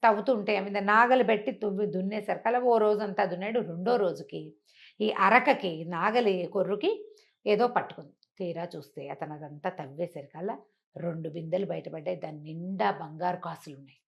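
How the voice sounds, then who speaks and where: A woman's voice: medium pitch, gravelly. A woman telling a folk story informally, in a conversational way with explanatory asides and rhetorical questions.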